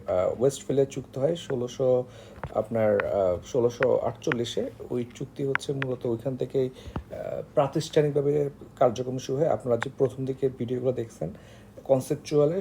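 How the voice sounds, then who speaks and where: A man with a Bangladeshi accent giving an informal explanatory lecture as an online tutor, halting often with hesitations and filler phrases. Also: mid-range voice, warm tone, slight background noise. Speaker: online tutor for job exam candidates.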